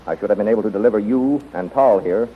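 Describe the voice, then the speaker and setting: Fast-talking bold radio rebel. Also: male voice, fairly low pitch, husky. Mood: defiant. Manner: bold, formal, declamatory. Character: defiant male rebel posing as royal servant. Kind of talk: 1930s radio serial acting. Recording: tinny, noisy 1930s radio recording.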